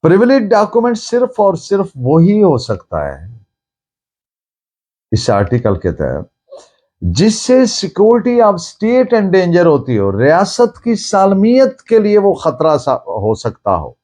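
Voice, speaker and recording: A Pakistani man delivers a formal law lecture at a slow, measured pace. His voice sits fairly high and rises and falls markedly as he stresses key phrases. He is deliberate and emphatic, often restating a point. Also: wildly swooping pitch, dark tone. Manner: deliberate, emphatic, repeating points in Urdu and English. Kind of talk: formal lecture, reading out and explaining legal text.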